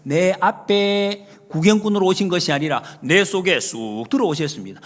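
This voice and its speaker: Husky-voiced Korean pastor preaching animatedly. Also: male voice, high voice. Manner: animated preaching, rising to emphatic calls; retells scenes with acted quotes. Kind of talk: sermon. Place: church sanctuary. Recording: long hall reverb.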